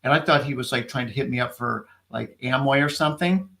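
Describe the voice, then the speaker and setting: A man's voice: mid-range voice, brisk, creaky, a bit bright. A man hosting a casual interview, upbeat and encouraging as he asks his guest questions. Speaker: host.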